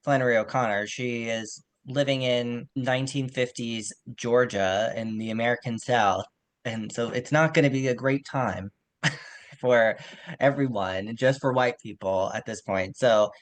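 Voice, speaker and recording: Male podcast co-host, average register, measured explanatory delivery for informal literary talk. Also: mid-range voice. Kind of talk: conversational literary discussion.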